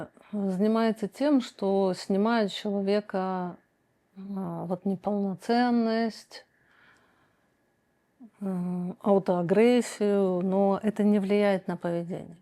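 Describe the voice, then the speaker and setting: Mellow-voiced woman giving slow, measured advice. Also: mid-range voice, steady tone. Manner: slow, deliberate, many pauses and hesitations; reads viewer questions aloud, then answers directly. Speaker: psychoanalyst answering viewer questions. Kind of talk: calm measured advice monologue.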